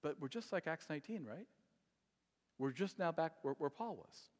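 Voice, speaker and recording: Male pastor, fairly high voice, earnest sermon delivery that swells to forceful emphasis; long hall reverb. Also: lively intonation, moderate pace. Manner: earnest, building to loud emphatic passages.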